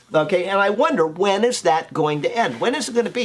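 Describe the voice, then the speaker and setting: With an American accent, a man talks at a moderate pace and high pitch over noticeable background noise. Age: 60s. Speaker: Bible teacher. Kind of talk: Bible study teaching. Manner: conversational.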